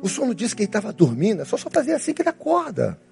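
A Brazilian male pastor playing a rough, bewildered older apostle questioning his master in a sermon retelling. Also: high-pitched, wildly swooping pitch, very fast, darkish tone, faint music behind, heavily acted. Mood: puzzled. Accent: Brazilian Portuguese. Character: blunt, puzzled older fisherman apostle.

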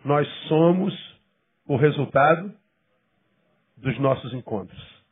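A male pastor preaching a sermon, emphatic and then dropping to quiet asides. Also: fairly high pitch, expressive, slightly rough, narrow, tinny audio. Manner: acts out quoted people in quick bursts.

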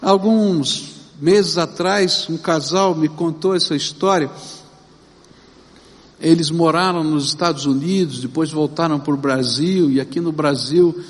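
High-voiced Brazilian pastor preaching emphatically. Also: male voice. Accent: Brazilian Portuguese. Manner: emphatic preaching with slow, drawn-out stresses. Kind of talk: sermon. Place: church sanctuary. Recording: long reverb of a large church.

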